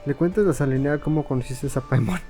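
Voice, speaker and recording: A man's voice: a little high, fast talker, mellow, soft background music. A man giving laid-back, slangy commentary while playing a game. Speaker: gamer doing a let's play. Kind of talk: casual gameplay commentary.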